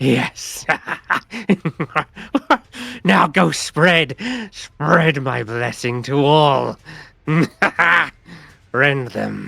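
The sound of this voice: Cackling in a put-on character voice, a man at medium pitch speaks at a very slow pace with long, frequent pauses.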